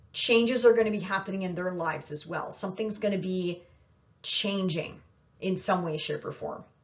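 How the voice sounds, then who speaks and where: This woman's voice is somewhat breathy and moves at a moderate pace. Audible room echo hangs around it. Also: medium pitch for a woman, ordinary pitch variation. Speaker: astrologer. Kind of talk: horoscope forecast monologue. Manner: casual, conversational.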